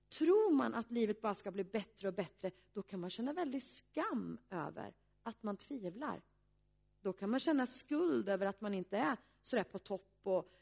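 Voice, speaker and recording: A woman pastor giving a sermon, speaking earnestly and reflectively with pauses. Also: medium pitch, vocal fry, darkish tone, husky.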